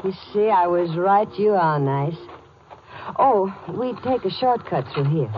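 An actress playing a flirtatious, coaxing gangster's accomplice with a hard edge in a 1950s radio crime drama. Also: female voice, fairly low pitch, lively intonation, measured pace, slight background noise. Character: flirtatious red-haired female gangster's accomplice luring a man, hard-edged underneath. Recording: muffled old radio broadcast, music behind.

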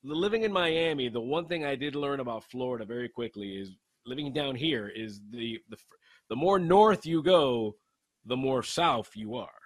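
A man's voice: medium pitch, animated, normal speed, no room sound. A man co-hosting a sports podcast, joking and rambling with lots of restarts. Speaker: podcast co-host. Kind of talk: casual chat.

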